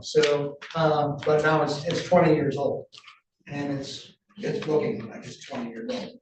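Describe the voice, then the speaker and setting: A man with a New England accent speaking at a public meeting as a board member, halting, with many restarts and fillers. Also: a little high, animated. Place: county meeting room. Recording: roomy, distant, dull sound with faint noise.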